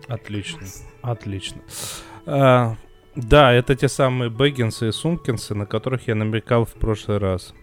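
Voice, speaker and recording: A man hosting a podcast, wrapping up the episode with jokes and thanks, often pausing with fillers. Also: medium pitch, soft background music. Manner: joking, with many filler pauses. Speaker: podcast host. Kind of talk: casual podcast outro chat.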